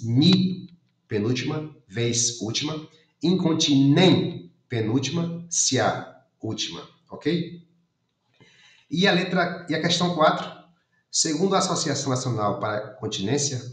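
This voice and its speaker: A Brazilian man teaching, going through exam questions one by one, reading each option aloud and ruling it out. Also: medium pitch. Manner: methodical, reads options aloud and rules them out. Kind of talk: commented exam walkthrough. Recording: roomy echo.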